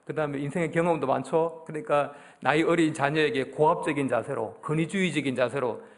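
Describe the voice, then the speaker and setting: Korean pastor preaching, fairly high voice. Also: male voice, a little fast. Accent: Daegu Gyeongsang Korean. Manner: conversational preaching, asks the congregation questions. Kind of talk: sermon. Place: church sanctuary.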